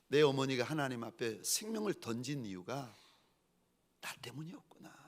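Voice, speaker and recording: A pastor preaches a sermon, telling stories animatedly and acting out the people he quotes. His voice is mid-range and creaky.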